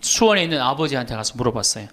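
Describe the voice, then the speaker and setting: Talking very fast at a medium pitch, a middle-aged Catholic priest tells stories in a comic lecture. His delivery is lively, he laughs frequently, and he keeps throwing teasing questions at the audience.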